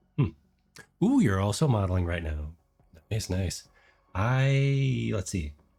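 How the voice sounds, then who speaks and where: With a fairly low pitch and a dark, mellow, somewhat breathy tone, a man with an American accent speaks at a fairly slow pace, making very wide pitch swings and long, frequent pauses. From US Midwest, rural. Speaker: VTuber streamer. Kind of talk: casual live-stream chat. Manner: rambling with fillers and self-corrections.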